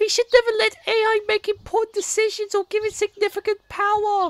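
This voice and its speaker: Using a put-on character voice, a man talks at a fairly quick pace with an extremely high pitch and a monotone, flat intonation. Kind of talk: audio play.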